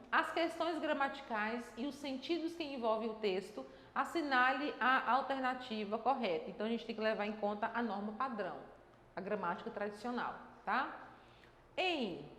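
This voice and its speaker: Female grammar teacher, higher voice, explanatory and checking in with the class, recorded in a roomy space with long reverb. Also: lively intonation, moderate pace, fairly bright tone. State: dry throat. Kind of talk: exam-prep grammar lesson. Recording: echoey room with long reverb.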